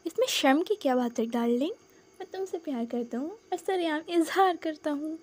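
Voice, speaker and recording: A woman's voice: sits high, expressive, normal speed, darkish tone. A woman voicing a bold young man who teases and dotes in an insistent, playful way. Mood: teasing.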